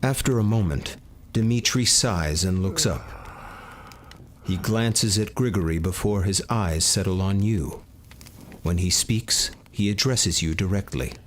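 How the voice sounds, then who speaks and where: A man reading a tabletop game's story text aloud as narrator, steady and measured. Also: low-pitched, a little hiss or hum. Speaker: game narrator.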